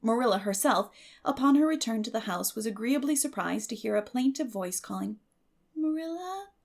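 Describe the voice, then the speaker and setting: A woman reading a classic story as a dramatic audiobook narrator, expressive and measured. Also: a little high, gravelly.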